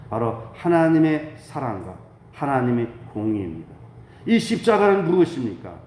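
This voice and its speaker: Fervent higher-voiced male preacher in echoey room. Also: a little mellow. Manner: fervent, exhortatory; asks rhetorical questions and answers them. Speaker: pastor preaching. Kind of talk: dawn prayer sermon. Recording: echoey room with faint background noise.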